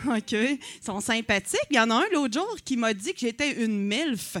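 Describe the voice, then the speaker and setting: A woman's voice: on the high side, animated, normal speed, fairly bright tone. A woman in her forties from Quebec City with a Quebec French accent, doing a chatty, self-mocking stand-up set with lots of filler words. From Quebec City, Canada. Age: 40s. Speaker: stand-up comedian. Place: comedy night on stage.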